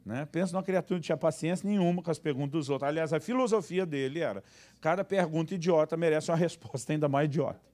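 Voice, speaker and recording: A pastor preaches with comic timing, his fairly high voice leaping into other characters' lines as he tells a story from the pulpit. The talk is lively and playful, aimed at a church congregation. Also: fast. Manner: animated, acts out quoted dialogue with sudden high voices. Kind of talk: humorous storytelling sermon. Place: church service.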